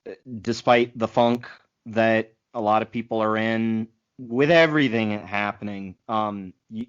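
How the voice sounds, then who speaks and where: A male podcast host with a smooth, resonant voice speaks in a measured, gracious way. The sound is dry and close, with a slightly dull, lo-fi quality. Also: on the low side, no echo. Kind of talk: casual podcast chat.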